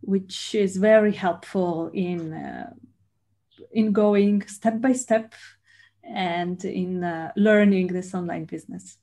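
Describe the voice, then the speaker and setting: A woman from Russia with Russian as her first language, a trainer and speaker, answering interview questions in a halting way with many fillers and pauses. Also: medium pitch, dark tone. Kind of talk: conversational interview.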